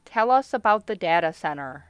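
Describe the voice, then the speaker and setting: A woman's voice: fairly low pitch, lively intonation, normal speed, clear, resonant tone, no echo, natural voice. Woman acting a cold interrogating doctor, close and dry. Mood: pressing. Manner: clipped, commanding, insistent. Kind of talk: radio play acting.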